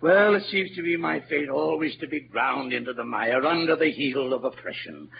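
A man's voice: lively intonation, normal speed, vocal fry, noisy background. A man voicing a grandiose, self-pitying old con-man actor with a pompous, theatrical manner, in a 1940s radio play. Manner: booming carnival barker when drumming up crowds. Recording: dull lo-fi old radio recording with music.

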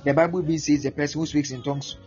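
Very fast and a little high-voiced, this Ghanaian preacher delivers a teaching sermon full of repeated words as he explains. He animatedly acts out prayers and voices, heard through a muffled lo-fi recording with faint music behind him.

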